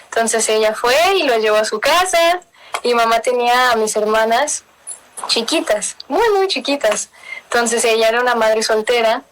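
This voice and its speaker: A woman's voice: on the high side, lively intonation, moderate pace, poor audio. A young woman with a Mexican-tinged Spanish accent, telling family stories in a casual interview and slipping in English words. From Miami. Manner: warm storytelling, mixing in English words, laughs often. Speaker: interview guest.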